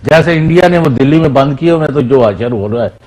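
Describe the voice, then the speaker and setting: A man's voice: medium pitch, animated, fast, darkish tone, low-quality recording. A man, a guest analyst arguing emphatically in a panel debate, often repeating and restarting words.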